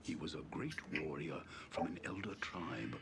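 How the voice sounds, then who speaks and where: A man voicing an ancient, doom-laden tribal seer in a rasping, breathy, solemn half-whisper for a fantasy game. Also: extremely low pitch, expressive, heavy background noise, exaggerated voice. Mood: ominous, solemn. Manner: slow, solemn, portentous. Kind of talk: fantasy game role-play.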